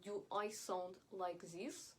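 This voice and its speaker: A woman's voice: medium pitch, steady tone, takes it slowly. A woman from Yemen, an English speaker, gives opinionated commentary to viewers with careful, emphatic elocution. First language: not English (English is her fourth language). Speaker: online commentator. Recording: clear background noise.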